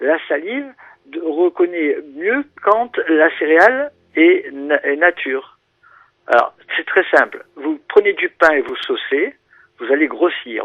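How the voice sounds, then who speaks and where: A man speaks at a very slow pace. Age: 60s. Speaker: traditional Chinese medicine practitioner and author. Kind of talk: radio interview explanation. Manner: hesitant, many fillers and restarts.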